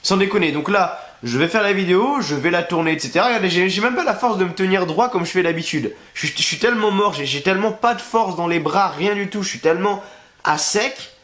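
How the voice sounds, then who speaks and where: In his bedroom at home, a flu-stricken young man, worn out and stuffed up, faces the camera and rants crudely and sarcastically about wrestling. His high voice is expressive, fast and fairly bright, and the room sounds roomy.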